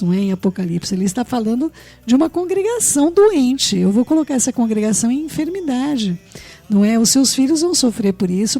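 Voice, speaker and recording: Mellow-voiced Brazilian woman preaching earnestly. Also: on the high side. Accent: Brazilian Portuguese. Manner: earnest, tags phrases with rhetorical questions, addresses listeners fondly. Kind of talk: sermon.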